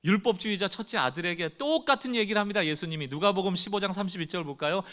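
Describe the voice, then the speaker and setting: Addressing his congregation head-on, this pastor delivers a Sunday sermon at a quick pace in a voice that sits high. When he acts out quoted complaints, it grows loud and rises.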